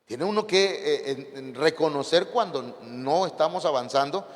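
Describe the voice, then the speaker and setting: A man's voice: a little high, moderate pace. Mexican man preaching in a reverberant hall. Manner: lively preaching, questions the congregation. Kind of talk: sermon. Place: church hall.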